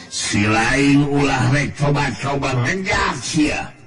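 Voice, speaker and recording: A man's voice: medium pitch, lively intonation, takes it slowly, pitched above the performer's own voice. A man voicing a coarse, arrogant martial-arts villain in a folktale, with a Sundanese accent, brooding and boasting. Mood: defiant, threatening. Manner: groaning, muttered inner monologue and boastful threats. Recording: loud music under the voice.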